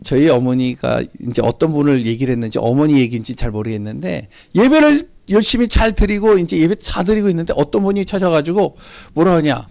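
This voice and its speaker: A man's voice: on the high side, expressive, brisk, vocal fry, few pauses, darkish tone, no echo. A male pastor preaching a sermon in a church, telling personal stories and asking the congregation rhetorical questions. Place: church sanctuary.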